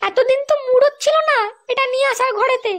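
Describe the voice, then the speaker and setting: A performer voicing a sharp-tongued young wife in a comedy cartoon, crude and taunting, with a West Bengal accent and a pitched-up voice. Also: fairly even intonation, fairly quick. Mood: irritated. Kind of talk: amateur comedy cartoon dialogue.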